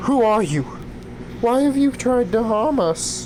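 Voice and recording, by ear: Loud background noise accompanies a man doing a put-on character voice. He talks at a high pitch and a fairly slow pace.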